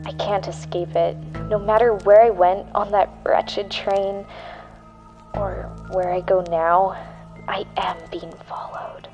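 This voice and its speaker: An actress playing a frightened, haunted woman in an audio drama, speaking in a halting, earnest and insistent way. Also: medium pitch, steady tone, a little mellow, natural voice. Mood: haunted, uneasy. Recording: dull old tape recording, music behind.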